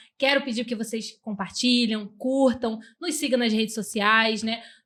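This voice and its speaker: A normal speaking voice goes at a moderate pace with ordinary pitch variation on a very clean recording with a silent background. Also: woman. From Rio de Janeiro, Brazil. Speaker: podcast co-host, lawyer. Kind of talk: podcast outro.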